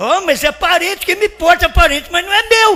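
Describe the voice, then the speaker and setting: A man uses a raised, projected voice at an extremely high pitch with an animated tone. His pitch variation is ordinary. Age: 60s. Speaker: pastor. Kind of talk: sermon.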